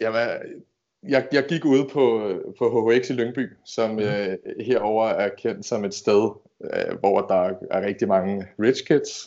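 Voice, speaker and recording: The man talks at a very slow pace. His medium-pitched voice has ordinary pitch variation. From Greater Copenhagen, Denmark. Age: 20s. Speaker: recruitment company co-owner. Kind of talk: interview. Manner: hesitant, many fillers.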